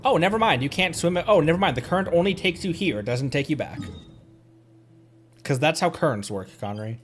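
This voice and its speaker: A man's voice: fairly high pitch, animated, fairly quick, faint music behind. A man casually commenting as he livestreams a video game, musing aloud to himself.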